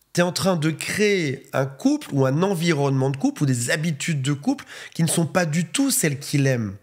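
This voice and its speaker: Chatty man with a higher voice. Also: breathy edge. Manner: chatty, addresses the viewer directly, joking asides. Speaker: relationship coach. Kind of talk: advice monologue to camera.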